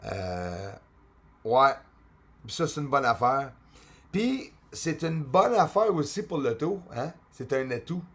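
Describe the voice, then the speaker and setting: A man's voice: mid-range voice, big pitch swings, measured pace, fairly bright tone. A middle-aged man from Quebec with a Québécois French accent, chatting casually on a live stream, reading viewer comments and laughing often.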